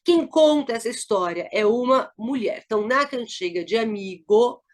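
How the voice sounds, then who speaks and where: A woman's voice: on the high side, lively intonation, normal speed. A middle-aged woman teacher with a Brazilian Portuguese accent, explaining a lesson and checking in often with her listeners. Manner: explanatory, checks in with frequent tags. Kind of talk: recorded lesson review.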